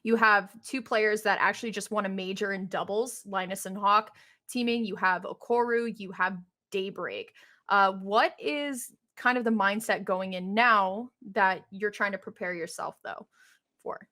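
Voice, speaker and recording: A woman's voice: mid-range voice, steady tone, a little slow, sharp tone. A young woman hosting a live esports stream, upbeat and full of fillers, interviewing players.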